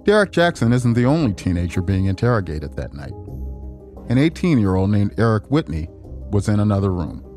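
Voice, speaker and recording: A man narrating a documentary podcast in a measured, dramatic scripted style. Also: fairly low pitch, big pitch swings, darkish tone, soft background music. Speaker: podcast host.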